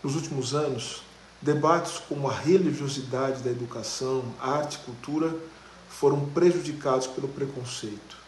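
A man's voice: mid-range voice, normal speed, darkish tone. Man reading a formal message into his phone, roomy echo, a bit of hiss. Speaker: government official sending a video message. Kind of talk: prepared video statement.

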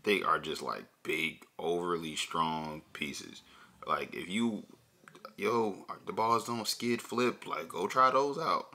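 A man's voice: sits low, slow, bright, forceful tone. A young man hosting a bowling channel, chatting casually at home with a laid-back, rambling manner and many fillers. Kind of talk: casual review chat. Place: home room with shelves, indoors.

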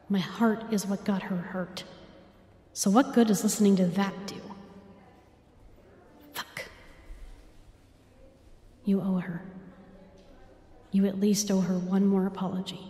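A woman playing a guilt-ridden, protective girlfriend in an intimate audio roleplay, speaking haltingly and emotionally in a breathy, husky voice. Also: mid-range voice, dark tone. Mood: anguished guilt. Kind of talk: intimate audio roleplay acting, spoken to the listener.

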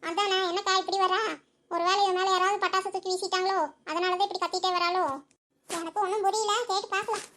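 A woman's voice: extremely high pitch, flat delivery, fast talker, pushed and bright. A woman voicing chatty village women in a cartoon, fussing, gossiping and scolding. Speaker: cartoon character.

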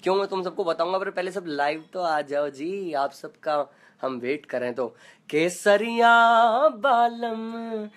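A man's voice: a little high, steady tone, moderate pace. A man chatting playfully and non-stop in a casual live video chat, reading out comments as a singer host. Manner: playful, joking.

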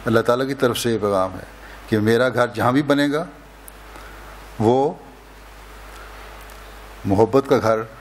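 An older man delivering a slow, measured sermon at a lectern microphone during a mosque opening, pausing often between phrases. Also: medium pitch, slight background noise. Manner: slow, measured, solemn delivery with long pauses. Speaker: religious leader giving an address. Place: indoors, mosque hall lectern. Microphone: lectern microphone, close.

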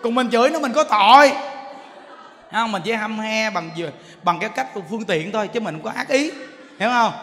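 A male monk giving a lively sermon, telling stories with laughter and mimicking voices. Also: sits high, fairly quick. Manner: animated storytelling, laughing, mimicking others. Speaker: monk giving a dharma talk. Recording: long hall reverb, faint background noise.

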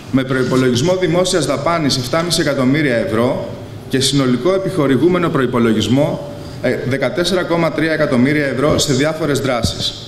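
A man in his thirties giving a formal speech at a podium, reading out figures in a measured way. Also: mid-range voice. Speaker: government official giving a speech. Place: large exhibition hall. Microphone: podium microphone. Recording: echoey hall, faint noise.

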